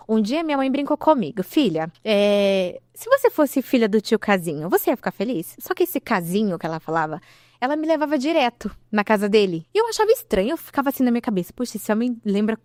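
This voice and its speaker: Woman in her thirties, emotional personal testimony, rapid speech, dry close sound. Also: mid-range voice, no echo. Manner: animated storytelling, acting out quoted dialogue. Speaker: guest giving a testimony.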